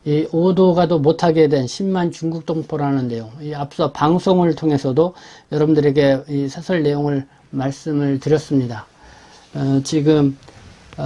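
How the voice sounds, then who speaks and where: A man with a fairly high-pitched but soft, mellow voice presents a community news briefing. He explains each item in a semi-scripted way, halting and correcting himself as he goes. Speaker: host presenting a community newspaper's issue.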